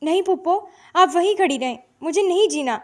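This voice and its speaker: Woman doing a teary young girl screaming high, all heartbreak. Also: lively intonation. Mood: distraught. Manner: tearful, screaming.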